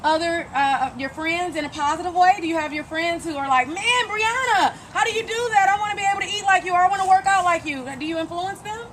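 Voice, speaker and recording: High, bright-voiced motivational woman coach. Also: quick pace, hardly any pauses, slight background noise, poor audio. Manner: emphatic, encouraging, repeats phrases for emphasis. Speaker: fitness coach and interviewer. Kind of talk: motivational interview and pep talk.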